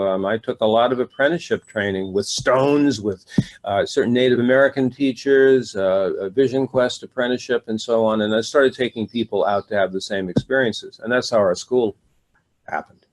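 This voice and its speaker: An older man answering interview questions in an easy conversational way. He often stops, repeats words and fills pauses with "uh" and "um" as he works through his thoughts. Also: on the low side, a little hiss or hum. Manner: rambling, many fillers and restarts. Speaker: astrologer, interview guest.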